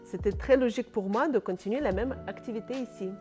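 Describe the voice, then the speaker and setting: A woman's voice: a little high, quick pace, loud music behind the voice. A Russian-born woman speaking as an interview guest, with a Russian accent and simple, direct phrasing as a non-native speaker. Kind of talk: casual interview chat.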